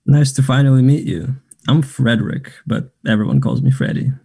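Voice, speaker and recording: A man's voice: mid-range voice, expressive, normal speed, vocal fry, dark tone, husky. A man acting a flirtatious, self-assured gay man in a naturalistic table read of a play, chatty and teasing. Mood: friendly, chatty.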